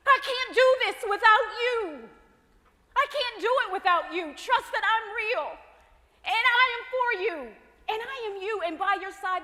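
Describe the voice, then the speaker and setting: An actress playing a hopeful figure of faith, speaking tenderly and pleading. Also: female voice, very high voice. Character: gentle hopeful woman personifying faith and future. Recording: reverberant hall.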